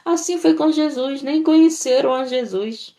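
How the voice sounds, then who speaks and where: A woman's voice: high voice, measured pace, mellow. A woman missionary preacher, delivering an emotional, repetitive sermon full of rhetorical questions. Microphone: livestream microphone.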